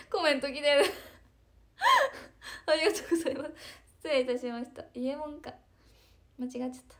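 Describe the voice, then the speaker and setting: A young woman chats breezily on a live stream. Her voice sits a little high, and she drifts into hushed asides as she reads the comments. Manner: chatty, breezy, drops into soft asides. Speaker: idol livestreamer reading chat comments. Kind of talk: casual live-stream chat.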